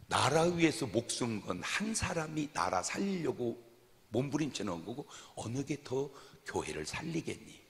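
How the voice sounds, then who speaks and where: A man preaching a sermon as a pastor, dramatic, dropping to a hush and then shouting. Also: mid-range voice, gravelly, slight background noise. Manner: dramatic, shifts from hushed to shouting. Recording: long hall reverb.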